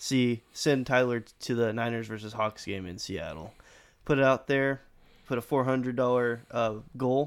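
Talking at a moderate pace, a man has an unremarkable speaking voice at medium pitch. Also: fairly even intonation, very clean recording, silent background. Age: 20s. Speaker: fantasy football league member. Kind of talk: casual chat.

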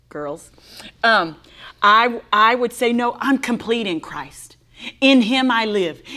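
Very slow, lively intonation in a Texan accent, broken by long, frequent pauses. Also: woman. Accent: Texan American. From Texas. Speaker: preacher. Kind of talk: casual chat about faith. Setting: studio.

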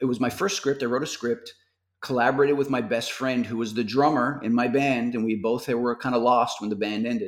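In a plain, everyday voice, a man speaks at a medium pitch and moderate pace with fairly even intonation. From Newfoundland, Canada. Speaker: actor and former music TV host. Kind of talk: casual interview chat.

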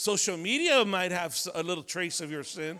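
A man with an American accent uses a raised, projected voice. His tone is bright and sharp. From Los Angeles, US. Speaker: pastor. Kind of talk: sermon. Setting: church.

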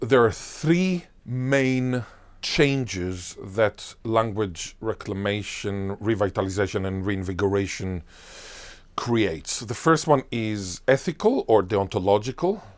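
Speaking at a very slow pace, a man uses lively intonation with a fairly low pitch. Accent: Israeli. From Israel. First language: Hebrew. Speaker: linguistics professor. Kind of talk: interview. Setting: video call.

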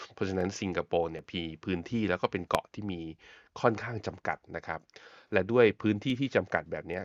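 A man speaks with a very deep, low pitch and ordinary pitch variation. The sound is dry and close with no echo, over a quiet background. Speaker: podcast host on economics and investing. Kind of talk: solo podcast monologue. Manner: casual, conversational.

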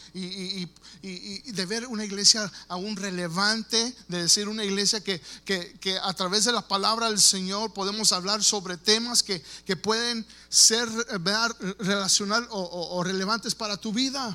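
A man's raised, projected voice, high in pitch with a bright, sharp tone, fairly even intonation and a fairly slow pace. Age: 40s. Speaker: pastor. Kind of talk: sermon. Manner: halting.

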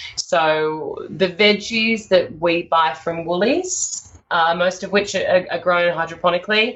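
The speaker has an Australian accent and a fairly slow pace with hardly any pauses. Intonation is fairly even. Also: woman, medium pitch for a woman. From Australia, Sydney. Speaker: social enterprise CEO. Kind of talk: interview. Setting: phone call.

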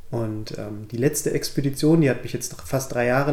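With vocal fry and a dark, mellow tone, a man talks at a moderate pace and ordinary pitch variation. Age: 30s. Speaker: adventurer and sports teacher. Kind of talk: interview. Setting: in person.

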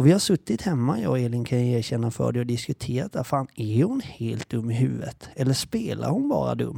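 A man talking at a fairly quick pace, with hardly any pauses. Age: 30s. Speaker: podcaster. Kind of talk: personal letter to late mother, spoken monologue. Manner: emotional, intimate.

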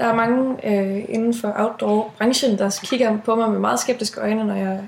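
A woman with an ordinary speaking voice talks at a fairly slow pace, her fairly high pitch held in fairly even intonation. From Denmark, North Jutland. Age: 20s. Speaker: student and writer. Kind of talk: interview.

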